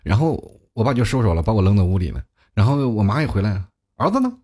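A talk show host, delivering a comic monologue in a slightly low, husky voice. His pitch jumps around as he tells his stories, and he laughs at his own punchlines. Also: fast. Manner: animated, chatty, laughs at his own jokes.

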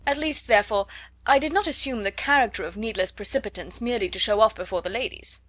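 A woman reading as an affable, easygoing young gentleman. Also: fairly high pitch, quick pace, no room sound. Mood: good-humoured. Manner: affable, protesting good-humouredly. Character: good-natured young gentleman, easygoing and cheerful.

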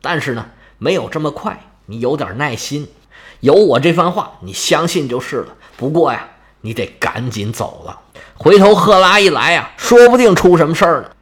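A man voices the male king of the gods in a spoken storytelling tale. He drops low and quiet, weighing each word. His tone stays guarded and lordly, boasting of his own cunning. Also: expressive, normal speed, close to an everyday voice.

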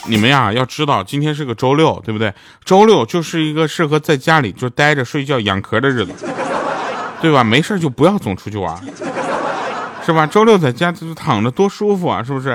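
Chatting casually to promote his show, the radio drama voice actor tells humorous stories and laughs when he lands a punchline. His voice is mid-range and lively in intonation, the pace fairly quick, with background noise present.

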